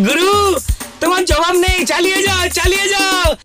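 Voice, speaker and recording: A woman voicing a cheeky, excitable young sidekick kid in a children's cartoon. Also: extremely high pitch, measured pace, over loud music. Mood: gleeful, teasing. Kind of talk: Bengali children's cartoon dubbing.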